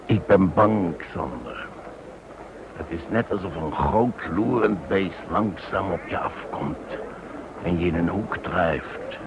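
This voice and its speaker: An actor playing an anxious Jewish street vendor in a Dutch radio play, with a creaky voice. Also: male voice, low voice, slow. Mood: fearful. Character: frightened Jewish street vendor hawking pickled liver sausage. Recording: noisy muffled old radio play recording.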